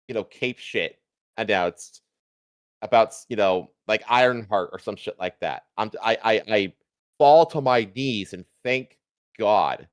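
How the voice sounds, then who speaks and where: A man's voice: fairly low pitch, no room sound, studio quality. A man hosting a livestream, ranting casually with emphatic, repetitive, profane talk. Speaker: livestream host.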